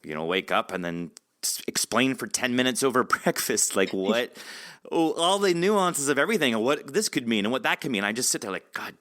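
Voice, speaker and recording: A man hosting a casual interview, talking in a rambling, animated way and acting out his reactions. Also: mid-range voice, fairly quick. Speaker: podcast host interviewing an author.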